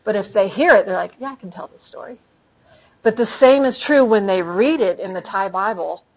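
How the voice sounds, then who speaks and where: A woman speaking to an audience in a conversational talk, answering questions, lively and full of restarts. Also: medium pitch, moderate pace, breathy edge, lo-fi sound. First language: English. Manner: animated, frequent restarts. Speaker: speaker training storytellers.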